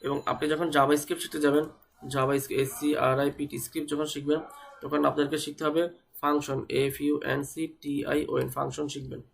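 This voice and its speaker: Man, web development teacher, feverish, flat-toned, rapid. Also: fairly high pitch, gravelly. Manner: explains step by step, repeats words and spells them out. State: speaking slowly because of fever. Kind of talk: live online coding class.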